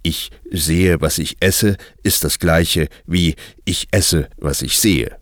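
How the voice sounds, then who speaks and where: A man voicing an eccentric, blunt hatter in a measured, deadpan way. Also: low-pitched, no echo, clean studio sound. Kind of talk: audiobook character voice.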